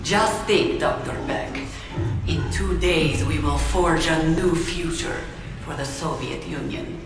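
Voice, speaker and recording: An actor playing a confident, humorless Soviet scientist in a video game, speaking in clipped phrases. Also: male voice, a little high, slow pace, gravelly. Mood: stern. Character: stern, confident Soviet scientist demanding results. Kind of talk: dramatic video game acting. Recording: distant, heavy echo, music behind.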